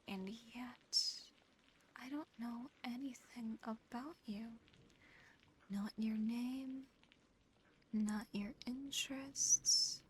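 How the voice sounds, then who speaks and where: A woman's voice: on the high side, a little hiss or hum, low-quality recording. A woman voicing a seductive, possessive female demon in a whispered ASMR roleplay, close to the microphone, with a teasing, smug delivery. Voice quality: soft, breathy whisper. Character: seductive, possessive female sleep-paralysis demon admiring a human.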